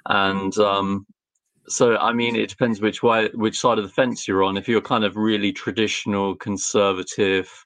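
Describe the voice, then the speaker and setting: A man from Britain, co-hosting a casual chat from a video call and talking in a relaxed, rambling way. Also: on the low side, normal speed, dry recording. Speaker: co-host.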